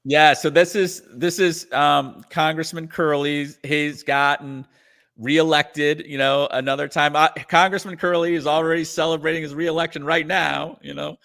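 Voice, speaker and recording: A man's voice: fairly high pitch, fairly even intonation, normal speed, vocal fry, a bit bright. A man chatting as a guest in an interview, rambling with restarts and lots of "you know". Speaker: guest musician and comedian. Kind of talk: casual interview chat.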